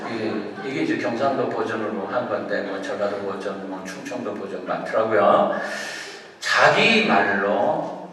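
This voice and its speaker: A man's voice: fairly low pitch, lively intonation, unhurried, crowd noise. A male pastor giving a conversational sermon and putting questions to his congregation. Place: church sanctuary. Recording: very echoey church hall from far off.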